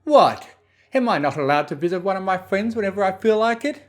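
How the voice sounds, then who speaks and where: Teasing chaos spirit, theatrical, lively pitch swings; male reader voicing. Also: unhurried, faint music behind.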